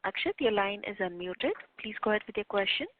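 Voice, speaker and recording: A woman's voice: medium pitch, expressive, fast talker, no room sound. Formal female call operator, phone-line sound. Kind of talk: scripted, formal call moderation. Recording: dry, narrow phone line.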